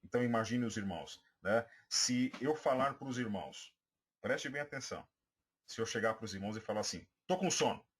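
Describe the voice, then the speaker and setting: A man's voice: lowish voice, fairly quick, slightly rough. A man with a Brazilian Portuguese accent, a pastor giving a class on preaching, hesitant with many fillers and restarts, addressing listeners as brothers. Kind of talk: recorded class for church members.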